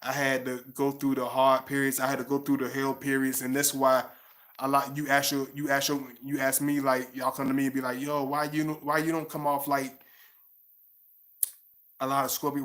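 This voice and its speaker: A man's voice: medium pitch, fairly bright tone. A man, talking to viewers in a rambling way with many restarts and "you know what I'm saying". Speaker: channel host. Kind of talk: casual monologue to viewers.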